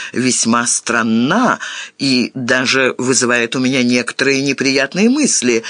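A man's voice: medium pitch, a bit bright, no echo, clean studio sound. A man reading the lines of a cold, suspicious male ambassador, curt and formal in manner. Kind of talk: audiobook character reading.

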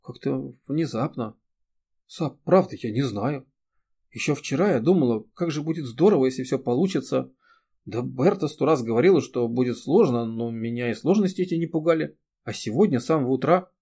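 A man's voice: mid-range voice, lively intonation, mellow, slightly rough. A male reader voicing a distressed young woman who falters and sobs as she pleads. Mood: quiet bewilderment. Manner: pleading, halting, breaking into sobs. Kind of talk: audiobook character reading.

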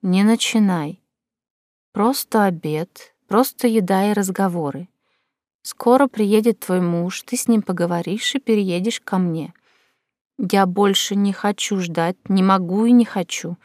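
A woman voicing a slow, insistent foreign lover. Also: high voice, darkish tone, dry recording, clean studio sound. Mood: insistent tender. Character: foreign man in love, insistent, firm.

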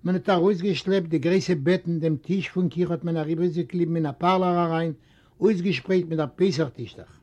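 A male reader from Eastern Europe, a native Yiddish speaker, narrating a novel in a steady, measured way. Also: on the high side. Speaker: audiobook reader. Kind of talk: read-aloud literary narration. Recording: dull lo-fi recording.

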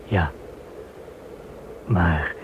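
A man in a radio play acting a devout Jewish man facing deportation, telling things in a solemn, measured way. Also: low-pitched. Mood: grave, devout. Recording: muffled phone-like band, clear hiss.

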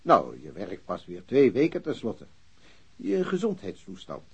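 An actor playing a senior police chief in a radio drama, formal, hesitant and patronizing. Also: male voice, lowish voice, huge pitch swings, unhurried, gravelly, slightly rough, muffled recording, full character voice. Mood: probing concern. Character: senior police chief, awkwardly breaking bad news to subordinate.

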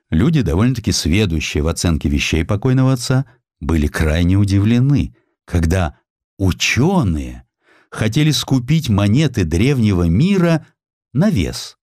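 A man narrates a historical piece as a practised audiobook storyteller. His voice sits low and swings widely in intonation, with an expressive, theatrical delivery. The recording is dry, with hardly any room sound. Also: dry recording. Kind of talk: scripted narration of a historical essay.

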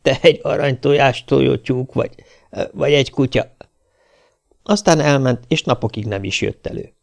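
A man narrating a short story as an audiobook reader, telling it in a lively way. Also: mid-range voice, creaky.

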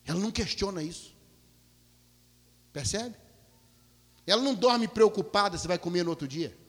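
A male pastor preaches with an animated storytelling delivery, moving from loud bursts down to hushed, low passages. His voice is bright and sits fairly high. A long reverb from a large hall trails behind his words. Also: moderate pace. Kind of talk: storytelling sermon.

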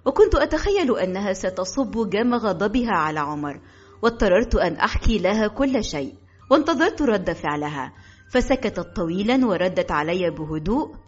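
A woman's voice: medium pitch, very animated, a little fast, breathy edge. A woman with an Egyptian accent narrating a first-person audiobook with emotional, dramatic storytelling. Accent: Egyptian Arabic. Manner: emotional storytelling mixing formal Arabic and dialect. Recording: dull, lo-fi audio.

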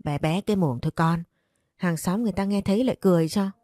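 A woman voicing a weary, tender old grandmother who speaks gently. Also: on the low side, fast, no echo, soft background music, natural voice.

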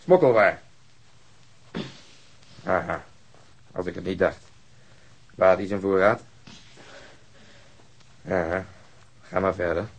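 A brutal detective from a radio drama. His voice sits fairly low, and he talks in a sneering, threatening way, with heavy sarcasm. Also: slow pace, creaky, pauses often, husky, exaggerated voice. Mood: probing, sardonic. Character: brutal, bullying male police detective, menacing and sarcastic. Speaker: actor.

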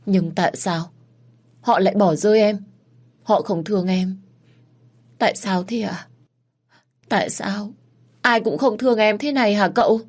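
A woman's voice: mid-range voice, unhurried, long pauses, pitched above the performer's own voice, natural voice. A woman voicing a heartbroken young adopted daughter who pleads tearfully, in a spoken storybook. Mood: tearful pleading.

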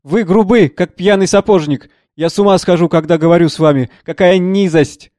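Man reading an anxious, tearful middle-aged wife, slightly high voice, dry close read. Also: moderate pace, a little mellow, no room sound, natural voice. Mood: indignant. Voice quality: tearful, pleading. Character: distraught middle-aged woman, professor's wife, pleading.

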